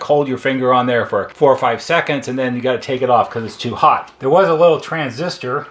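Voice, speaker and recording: A man's voice: mid-range voice, fairly bright tone. An American man with a mid-range voice talks through a hands-on technical repair. He explains it step by step in an informal, conversational way, like a technician showing his work. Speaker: electronics repair technician demonstrating.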